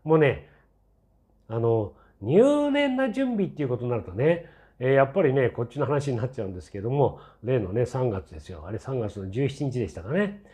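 Chatty man in his sixties, lively pitch. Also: brisk. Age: 60s. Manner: chatty and rambling, many fillers and tag asides; skeptical, mildly mocking. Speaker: channel host. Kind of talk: casual opinion commentary.

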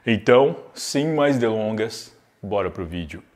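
A man's voice: fairly low pitch, animated, unhurried, darkish tone. A man, narrating a true crime case in a scripted, storytelling way as a video host. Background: faint background music.

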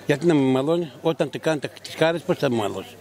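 An older man who sells at an outdoor market answers bluntly and proudly old-school. His voice sits a little high and he laughs easily between answers. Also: expressive, gravelly, a little mellow, a faint crowd. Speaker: market vendor.

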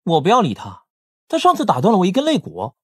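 男演员演绎的活泼爱撒娇的年轻黑帮少爷，音调起伏极大. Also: male voice, high voice, huge pitch swings, fast talker, slightly rough, dry recording, studio quality, heavily acted. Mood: sulky. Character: playful, chatty young male casino-owning crime boss's brother. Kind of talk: Mandarin audiobook drama acting.

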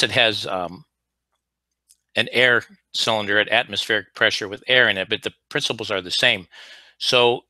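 A man's voice: fairly low pitch, pushed and bright, clean tone, no room sound. A man teaching a live online class over slides, explaining at an easy pace with frequent fillers and restarts. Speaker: HVAC instructor.

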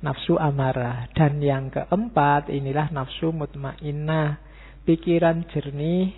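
A man's voice: on the high side, breathy edge. Middle-aged man lecturing in an echoey mosque hall. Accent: Javanese. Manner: joking, storytelling asides in a relaxed teaching tone. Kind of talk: informal philosophy lecture to an audience. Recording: echoey hall, thin phone-like sound.

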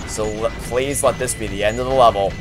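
A man's voice: on the low side, steady tone, a little fast, music in the background. A young man giving sarcastic, exasperated commentary while playing a video game, swearing and complaining often. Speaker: let's play host. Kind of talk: profane frustrated gameplay commentary.

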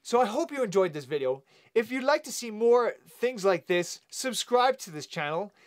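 A man's voice: sits high, big pitch swings, normal speed, soft background music. A man from Canada hosting his channel, talking upbeat and direct to the camera in a studio. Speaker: channel host. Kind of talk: casual video intro to camera.

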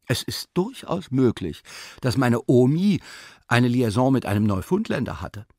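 A man's voice: mid-range voice, big pitch swings, measured pace, a little mellow, no room sound, studio quality. A man voicing a vain, musing stray dog. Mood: self-satisfied. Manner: musing, self-satisfied.

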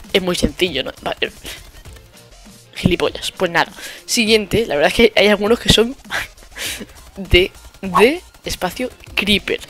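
Young Spanish gamer mocking hater comments. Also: male voice, high-pitched, fairly bright tone. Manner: mocking, repeats insults with sarcasm. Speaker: gaming youtuber. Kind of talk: casual commentary over gameplay.

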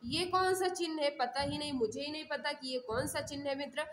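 A woman's voice: sits high, fairly quick, a bit bright, slight background noise. A woman teaching an online exam class, reading out questions and explaining answers, repeating key phrases for her viewers. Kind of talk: live mock-test lesson, reading questions and explaining answers.

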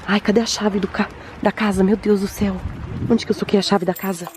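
A Brazilian woman, a mother, narrating a dramatized family vlog in an anxious, hushed manner that turns frantic. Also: medium pitch, little pitch movement, brisk, heavy background noise. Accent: Brazilian Portuguese. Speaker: vlogger and mother.

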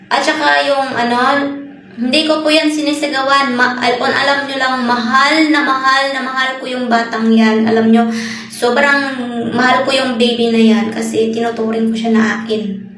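A woman from the Philippines working abroad as a nanny, giving a soft-spoken, polite personal account. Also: fairly high pitch. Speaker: overseas nanny. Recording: echoey room with faint noise.

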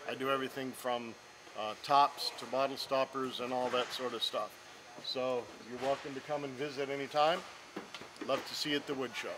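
A man's voice: medium pitch, fairly even intonation, moderate pace, noisy background. An older man giving an informal promotional talk to camera as an exhibitor. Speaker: woodturning exhibitor. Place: exhibition hall booth. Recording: music over exhibition-hall recording.

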